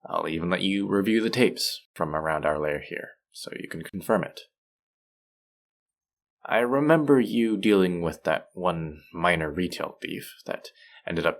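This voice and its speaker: Audio drama villain, male actor: low-pitched, possessive captor, measured and coaxing, smoothly condescending. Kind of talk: scripted roleplay audio drama.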